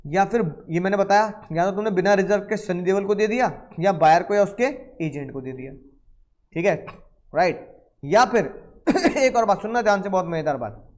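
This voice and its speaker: A male law teacher giving a lively classroom lecture, telling stories, quizzing students and mixing in English legal terms. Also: high-pitched, normal speed. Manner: lively, storytelling, asks students questions.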